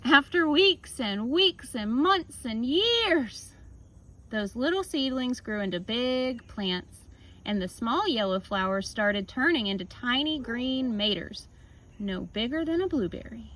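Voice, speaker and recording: A woman reading a picture book aloud like a teacher, with casual asides and expressive, drawn-out emphasis on key words. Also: on the high side, poor audio. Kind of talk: children's story read-aloud with casual asides.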